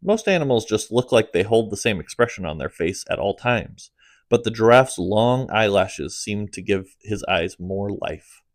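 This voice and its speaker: A man narrating his own comic audiobook in a fairly low voice. He keeps a steady storytelling pace and lets his voice sink at the ends of phrases, and the recording is close and dry with no room sound. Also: moderate pace, no room sound.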